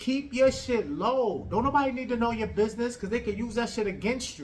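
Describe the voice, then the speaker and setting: In a loud, animated tone, a man talks at a moderate pace. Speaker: podcast host. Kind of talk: casual podcast commentary.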